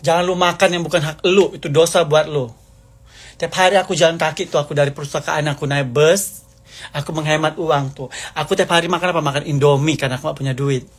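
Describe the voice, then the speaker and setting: A man's voice: fairly high pitch, steady tone, fast. A man delivering an angry, accusing rant to the camera, hammering the same points over and over. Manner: heated, accusing, repetitive.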